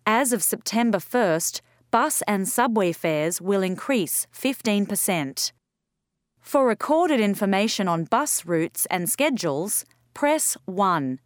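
A woman performs an automated phone greeting for a public office. She is polite, measured and businesslike at a medium pitch, in a dry studio sound. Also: dry recording. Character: female recorded phone menu voice for transit office.

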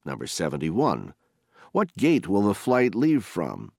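A man reading scripted listening test instructions and questions in a formal, deliberate way. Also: sits low, huge pitch swings, vocal fry, a little mellow, no echo, clean studio sound.

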